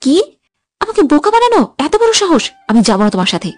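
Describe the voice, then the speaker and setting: A feisty young woman in an audio love story, voiced by a woman. She bickers with playful, sulky needling, her voice sitting high and swinging widely in pitch. Faint music plays underneath. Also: big pitch swings, brisk, a little mellow, no echo. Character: teasing, quick-tempered young woman in love.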